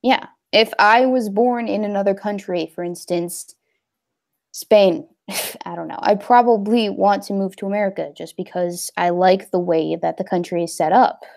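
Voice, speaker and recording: A woman's voice: medium pitch, fairly even intonation, moderate pace, gravelly, a little mellow. A young woman hosting a casual livestream, talking in a rambling, hesitant way with many fillers. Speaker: livestream host.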